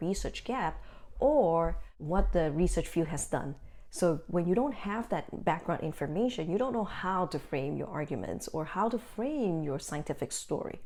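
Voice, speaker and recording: A woman with a non-native accent speaks at a moderate pace, her fairly low pitch and dark, mellow tone carried by lively intonation. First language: not English. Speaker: academic writing coach. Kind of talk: tutorial.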